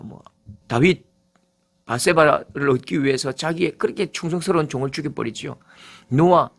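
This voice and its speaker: A middle-aged male pastor delivering a sermon, with emphatic rises and low, quiet asides. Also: creaky.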